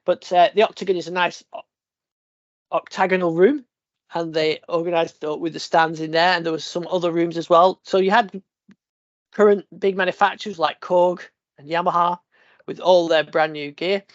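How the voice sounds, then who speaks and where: A man's voice: high voice, fairly even intonation, normal speed, no room sound. Man, sniffly, podcast host, rambling casual chat, muffled dry recording. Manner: rambling, many fillers and restarts. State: sniffly with a cold.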